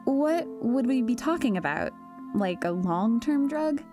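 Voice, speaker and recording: A woman's voice: a little high, expressive, unhurried, music in the background. A young woman playing a guarded, wry teenage daughter in an audio drama, with an understated, questioning manner. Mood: uneasy.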